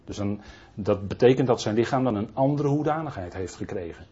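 A man's voice: lowish voice, animated, brisk, dark tone, husky. A man preaching a Bible teaching sermon in a rambling way, often adding tag questions and restarting his sentences. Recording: dull lo-fi recording.

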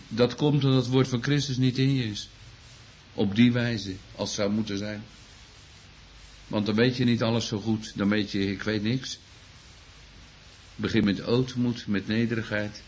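A man's voice: mid-range voice, a little hiss or hum. A man preaching a sermon to his congregation, earnest and exclaiming, often repeating himself as he restarts sentences. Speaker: pastor. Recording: dull lo-fi recording.

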